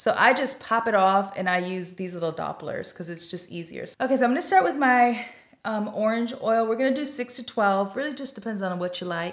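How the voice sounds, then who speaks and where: A woman speaks at a fairly high pitch and a fairly quick pace with lively intonation. There are hardly any pauses, and the background is quiet. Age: 40s. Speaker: lifestyle and sewing YouTuber. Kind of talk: tutorial. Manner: casual, conversational with frequent fillers. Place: home room. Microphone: phone near.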